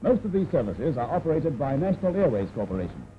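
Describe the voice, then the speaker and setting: A man's voice: medium pitch, sing-song, fast talker. A man giving formal, announcing narration for an old newsreel, heard from its original soundtrack. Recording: tinny old newsreel audio with music.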